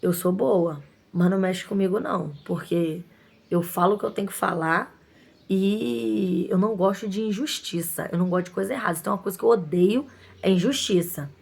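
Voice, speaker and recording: Indignant woman with gravelly voice. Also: medium pitch, normal speed. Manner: indignant, animated retelling with quoted voices. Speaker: shop owner. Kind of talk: casual storytelling to viewers.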